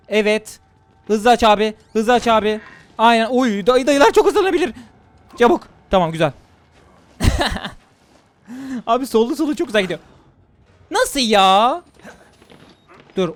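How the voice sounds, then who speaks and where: A young man streaming a horror game run, giving fast excitable commentary to himself and viewers. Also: sits high. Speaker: gaming streamer. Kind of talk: excited let's-play commentary.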